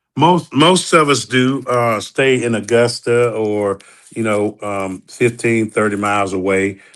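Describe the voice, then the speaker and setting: Speaking fairly slowly, this man holds a medium pitch and lets it vary in an ordinary way. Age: 60s. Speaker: soul singer and bandleader. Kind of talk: interview. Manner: halting, repeats words.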